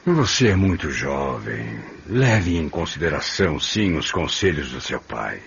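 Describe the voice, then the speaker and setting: An actor playing a grave, fatherly middle-aged man in a radio drama, speaking in a measured, deliberate way. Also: extremely low pitch, sing-song, gravelly, a little hiss or hum, full character voice. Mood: grave, advising. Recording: dull radio drama recording.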